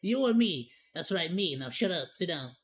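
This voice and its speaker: A woman's voice: on the low side, lively intonation, moderate pace. A woman streamer giving casual live reaction commentary, talking in an informal, joking, slangy way with some mild swearing.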